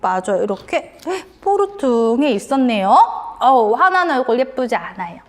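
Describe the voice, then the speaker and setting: A woman gives a sermon to young children in a high voice. Her pitch leaps up and down in a sing-song way, and she keeps asking the children questions. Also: big pitch swings, moderate pace. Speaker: children's minister.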